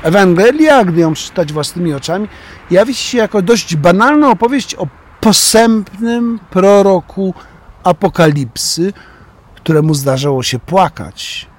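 A man's voice: high voice, expressive, unhurried. An older man reading his opinion column on the radio, stressing key words with emphasis.

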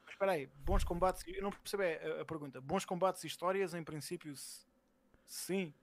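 A man's voice: high-pitched, a little fast, no echo. A man with a European Portuguese accent, a podcast co-host bantering casually in blunt, sweary slang and often repeating himself.

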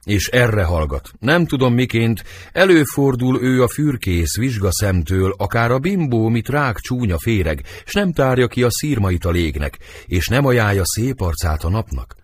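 A man reading the part of Montague, a worried older nobleman and father, in measured, troubled verse for an audiobook. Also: mid-range voice, very animated, breathy edge.

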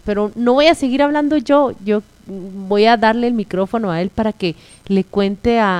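A woman, hosting an interview and introducing her guest in a lively, welcoming way. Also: medium pitch, no echo. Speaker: interview host.

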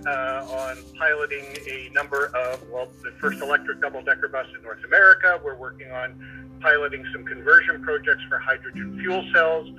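A man's voice: a little high, pushed and bright, low-quality recording. A man, general manager of a bus company, talking casually and hands-free on a car speakerphone while driving. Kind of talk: casual video call introduction.

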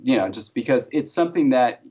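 A man as an interview guest, talking in a relaxed, chatty way with wry jokes. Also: mid-range voice, brisk, slightly rough. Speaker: interview guest, language creator. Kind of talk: casual interview conversation. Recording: slightly dull lo-fi audio.

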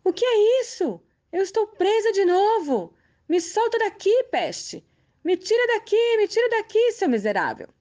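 A woman's voice: a little high, big pitch swings, moderate pace. A woman doing a shrieking skull-faced Death. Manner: stern, then shrieking in despair.

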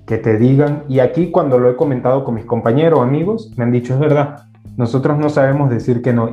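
Venezuelan male guest, mellow, lively storyteller, echoey lo-fi call. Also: mid-range voice. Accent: Venezuelan with some Mexican. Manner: lively storyteller, acts out quotes, laughs. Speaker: podcast guest. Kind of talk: casual podcast conversation. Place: at home in Mexico. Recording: dull, roomy remote call audio.

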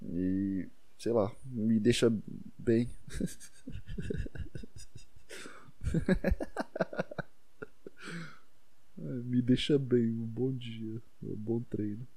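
A young man with a Brazilian Portuguese accent rambles through a loose monologue packed with swearing and self-deprecating asides. His mid-range voice is soft, warm and a bit breathy, very slow with frequent pauses. The sound is dry and close, with no room around it.

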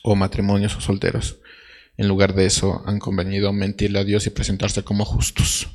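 A man's voice: lowish voice, monotone, fairly quick. A man preaching a sermon as pastor, directly questioning his congregation.

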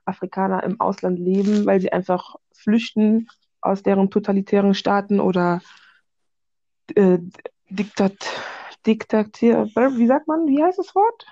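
A woman with a mellow, dark voice shares personal views in a casual discussion. She halts and reaches for words as she goes. The recording is dry and somewhat dull. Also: mid-range voice, no echo. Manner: halting, searching for words. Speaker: discussion participant.

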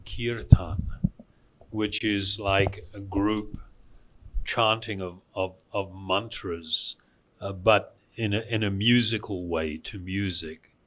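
A man giving an instructional spiritual talk to a group as a meditation teacher, speaking deliberately in short phrases with pauses. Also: on the low side, pushed and bright.

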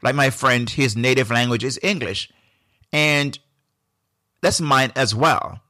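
On his own solo podcast, a man with a Jamaican accent thinks aloud in an unhurried, reflective monologue, often restarting sentences. His middling-pitched voice has a sharp tone, and the recording is close and dry with no room sound.

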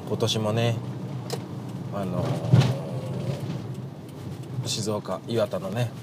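Low voiced guy from shizuoka doing a chatty radio style podcast, super polite japanese, clear street and car noise behind. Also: extremely slow. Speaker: podcast host, greengrocer. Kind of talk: casual solo radio-style chat. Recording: noisy, with car and outdoor street sounds.

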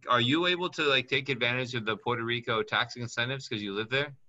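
A man's voice: medium pitch, quick pace, bright, forceful tone, lo-fi sound. A man working as a business consultant, talking in a chatty way and thinking aloud as he reads up on things during a call. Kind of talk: casual advice call.

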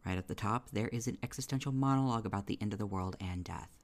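A man with a lowish voice reads scripted announcements for a podcast. He speaks as the show's announcer, addressing the listeners directly. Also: fast.

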